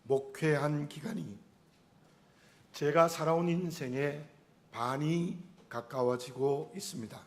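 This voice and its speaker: A middle-aged male pastor with a regional Korean dialect intonation, preaching a sermon in an earnest, measured way and asking rhetorical questions. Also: fairly high pitch.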